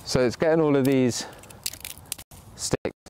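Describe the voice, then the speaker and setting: Against a noisy background, a man with a mid-range voice speaks slowly as he hosts a bushcraft livestream in sunny woods. He chats casually with viewers while demonstrating, the camera trained down on his hands.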